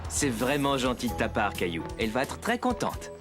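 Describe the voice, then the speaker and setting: A man's voice: medium pitch, big pitch swings, fairly quick, over music, close to an everyday voice. A man playing an easygoing, friendly father in a children's cartoon, with an encouraging way of explaining. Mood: warm. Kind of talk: French children's cartoon acting.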